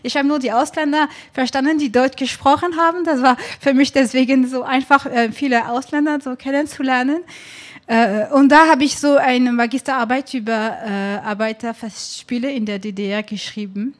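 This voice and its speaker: A French singer-songwriter in her forties, with a French accent, chats in German as a guest in a casual interview on a small club stage against a brick wall. Her high-pitched voice is fairly even and at normal speed, but she hesitates with many fillers into a handheld microphone.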